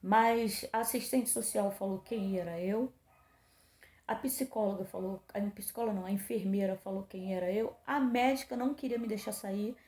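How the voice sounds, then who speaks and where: A woman's voice: mid-range voice, moderate pace, a little mellow. A middle-aged woman pastor giving a personal testimony, telling the story with emotion and acting out the dialogue. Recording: roomy echo.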